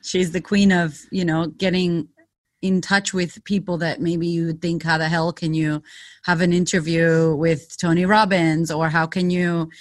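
A woman's voice: on the low side, level tone, unhurried, no room sound. A woman hosting a business podcast, asking long, rambling, enthusiastic questions. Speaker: podcast host. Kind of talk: conversational interview.

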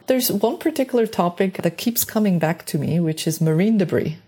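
A woman's voice: fairly low pitch, animated, fairly quick, warm tone, husky. A woman from Switzerland speaking as an interview guest, reflective and enthusiastic as she talks about her work in a conversational way. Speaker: podcast guest, space mission engineer.

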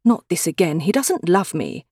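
A woman's voice: big pitch swings, moderate pace, breathy edge, dry recording, studio quality. A woman voicing a spirited, anxious young woman who talks in a raised, exasperated way, in an audiobook. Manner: exasperated, higher and brighter than the narration.

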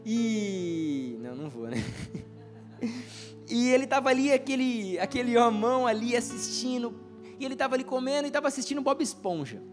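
A man's voice: very high voice, expressive, moderate pace, over music. A young man preaching a casual sermon, telling personal stories and acting out the dialogue. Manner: storytelling, acts out dialogue, laughs at himself.

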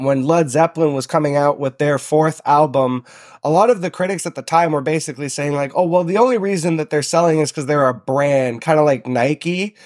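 A young man from Southern Ontario, a podcast guest telling stories in a relaxed way, with plenty of ums and uhs. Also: a little high. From Southern Ontario, Canada. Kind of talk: casual interview chat.

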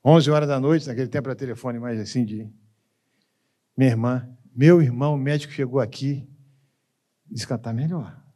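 A man with a Brazilian accent preaching a sermon as pastor, telling a story dramatically and swinging from hushed lines to loud ones. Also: medium pitch, a little fast, pauses often. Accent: Brazilian Portuguese. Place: church.

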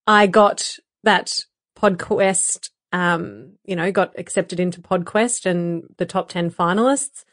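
A woman co-hosting a podcast, talking candidly with a croaky voice, laughing often and using many fillers. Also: on the low side, slow pace, hardly any pauses, no room sound, studio quality. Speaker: podcast co-host. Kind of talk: casual podcast chat.

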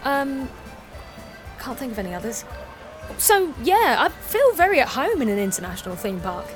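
Woman playing a chatty undercover girl, high and bouncy. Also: big pitch swings, normal speed, faint music behind. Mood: breezy. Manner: chatty, breezy. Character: bold young English woman spy, breezy.

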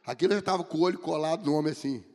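A man's voice: fairly high pitch, racing, a little mellow. A middle-aged man with a Brazilian Portuguese accent preaching a sermon, telling humorous stories and acting out the people he quotes. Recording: long reverb of a large hall.

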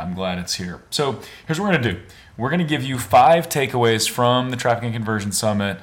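A man hosting a podcast in a casual, upbeat way, his voice a bit raspy from days of talking at a conference. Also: on the low side. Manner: upbeat, conversational, with frequent fillers. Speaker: podcast host. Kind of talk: casual podcast chat with read ad. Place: on location at a conference.

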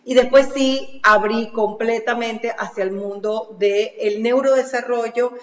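A woman, a special education specialist, speaking as a guest in a lively, chatty way over a remote link. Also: on the high side. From Venezuela. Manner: lively, chatty, quick to agree. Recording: roomy, dull remote line.

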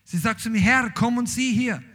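In a very high voice at normal speed, a preacher reads aloud from scripture. He then drives his message home emphatically, his delivery rising to shouts on the key lines.

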